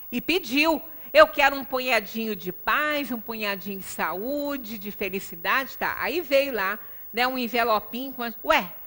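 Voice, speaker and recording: In a small indoor lecture room, a middle-aged Brazilian-accented lecturer at a Spiritist center gives a spiritual talk in a high, forceful voice, explanatory and conversational. She takes her time, emphatic, stressing points with frequent rhetorical tag-question check-ins. A distant microphone picks up the meeting room's long reverberation.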